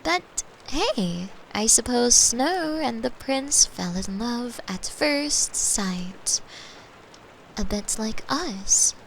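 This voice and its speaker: A woman playing a caring, playful girlfriend in a soft, tender, breathy bedtime ASMR roleplay. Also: a little high, expressive, slight background noise, heavily acted, poor audio. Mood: gently teasing. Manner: soft, slow, tender, often breathy and whispering. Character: caring, playful girlfriend soothing her partner to sleep.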